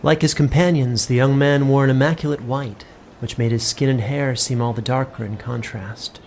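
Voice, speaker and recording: A man narrating a scripted fantasy story in a measured, descriptive storytelling manner. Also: mid-range voice, steady tone, a little mellow, slight background noise.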